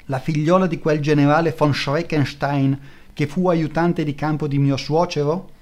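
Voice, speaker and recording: A man's voice: on the high side, steady tone, moderate pace, lightly acted. A man reading aloud, voicing a haughty, imperious aristocratic grand duchess in a raised voice. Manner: imperious, skeptical.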